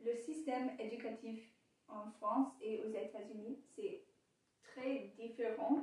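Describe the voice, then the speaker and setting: A woman's voice: on the high side, fairly even intonation, unhurried, a little mellow. A teenage girl chatting carefully and hesitantly in a second language she is learning. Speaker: student podcaster. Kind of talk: casual chat in learner French. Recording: echoey room, distant from mic.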